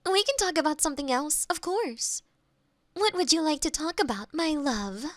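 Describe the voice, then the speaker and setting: A woman's voice: high-pitched, animated, normal speed, no echo. A woman playing a polite AI girlfriend eager to please, speaking in stilted, precise phrases in an intimate close-miked roleplay. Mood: politely helpful. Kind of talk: scripted intimate roleplay audio. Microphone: close binaural microphone.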